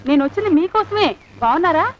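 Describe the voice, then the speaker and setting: A woman's voice: very high-pitched, expressive, fast, slight background noise. An actress playing an insistent woman who claims to be a man's wife from a past life, bossy and affectionate. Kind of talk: Telugu film comedy acting. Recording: slightly dull film soundtrack.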